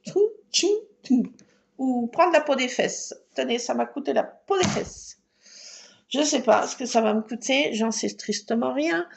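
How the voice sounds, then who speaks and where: Husky raspy woman chatting on her vlog, laughs a lot, acts out the voices. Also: high-pitched, normal speed. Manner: lively, laughing, acts out dialogue and alarm sounds. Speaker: vlogger. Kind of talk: casual storytelling.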